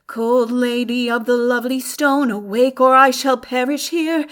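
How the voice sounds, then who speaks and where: A woman performing a lovelorn young man in an audiobook, singing slow, drawn-out verse with melodic yearning. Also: high-pitched, steady tone. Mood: passionate longing.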